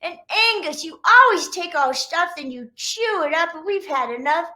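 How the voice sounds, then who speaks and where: A high-pitched little storybook puppy , acted out by a woman reading aloud. The pup speaks in sing-song rhyme, like a young sibling used to squabbling with the others. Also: animated, moderate pace, sharp tone, heavily acted. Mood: complaining, indignant. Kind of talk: children's picture-book read-aloud.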